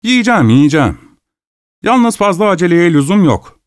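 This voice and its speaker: A man's voice: high-pitched, big pitch swings, normal speed, dry recording, studio quality, voice pushed up. A man voicing a greedy, shameless male dinner guest, speaking in a smug, leisurely manner with feigned innocence.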